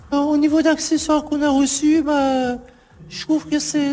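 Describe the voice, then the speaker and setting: A woman with a high pitch and monotone, flat intonation, with music in the background. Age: 40s. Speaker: professional dancer, association founder. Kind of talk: radio interview.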